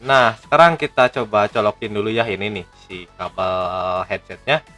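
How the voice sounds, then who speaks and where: A man's voice: fairly low pitch, moderate pace, sharp tone, faint music behind. A man from Indonesia, chatting casually to viewers as he demonstrates and reviews a gadget. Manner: chatty, addresses viewers as friends.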